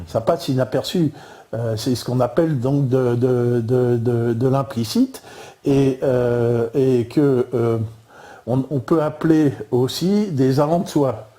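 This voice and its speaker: Older Parisian man, informal lecturer walking through slides; halting delivery full of fillers and restarts, dark mellow tone. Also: mid-range voice. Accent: Parisian French. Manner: halting, many fillers and repeated words.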